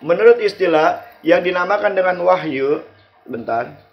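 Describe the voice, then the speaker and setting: A man's voice: fairly high pitch, fairly even intonation, a little fast. A male religious teacher, leading an online class and explaining verses line by line. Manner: explains verses line by line, asks and answers himself. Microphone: video call. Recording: muffled video call audio.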